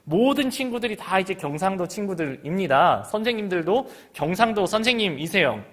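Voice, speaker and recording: A man's voice: sits high, sing-song, fairly quick, fairly bright tone. A middle-aged man from Gangwon Province in Korea preaching a sermon, reading scripture and then talking to the congregation in a chatty way, with questions for them. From Gangwon Province, South Korea. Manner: reads scripture then talks conversationally, asking the congregation questions. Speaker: pastor.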